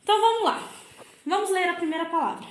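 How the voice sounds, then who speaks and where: A woman with a Brazilian Portuguese accent, a primary school teacher giving a recorded lesson to children and sounding out words slowly, syllable by syllable. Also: very high-pitched. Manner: slow, exaggerated syllable-by-syllable explanations. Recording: echoey room.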